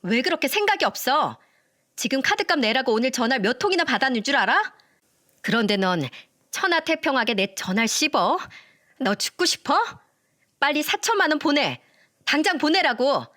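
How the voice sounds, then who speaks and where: A woman's voice: on the high side, sing-song, brisk. Woman doing a shrieking greedy young woman. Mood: screaming. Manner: shouting and swearing.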